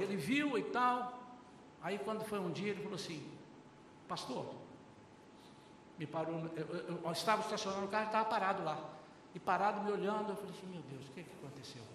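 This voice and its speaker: A high-pitched older man with a Brazilian Portuguese accent delivers a lively sermon, acting out little conversations and turning to the brothers in the pews. He sounds distant from the mic, with a long, roomy reverb filling the church hall. Faint noise sits under the voice. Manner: lively, acts out dialogues, often addresses the congregation as brothers. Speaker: pastor. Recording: very echoey hall, heard from far off.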